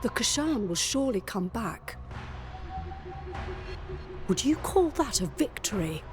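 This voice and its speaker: A woman playing a composed, proud and stern warrior mentor in a video game, speaking in a measured, solemn way. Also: fairly high pitch, very animated. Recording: music behind the voice.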